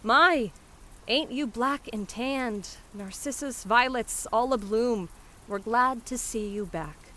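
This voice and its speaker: A woman voicing a brash, warm-hearted young Cockney flower seller who scolds and hawks her wares in a dramatic poem. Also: fairly high pitch, slow pace, pitched above the performer's own voice. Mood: hearty, generous. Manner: street-hawker cries, scolding and dropping h's. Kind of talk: dramatic poetry performance.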